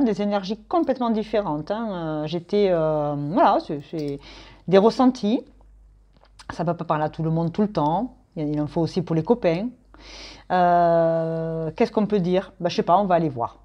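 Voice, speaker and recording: A woman's voice: medium pitch, darkish tone. A woman giving a casual tarot reading, talking straight to her viewers in a chatty way with the odd swear word. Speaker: tarot reader.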